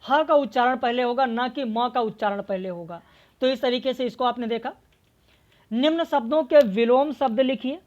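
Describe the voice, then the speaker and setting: A woman's voice: fairly high pitch, normal speed, a little mellow, highs cut off. A woman teaching an exam-prep language lesson. She explains word meanings and spellings step by step, asks questions and answers them herself. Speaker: Hindi literature teacher.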